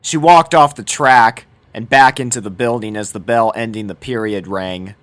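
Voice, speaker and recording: A man's voice: medium pitch, moderate pace, fairly bright tone. A man reading a scripted fan-fiction story aloud as narrator.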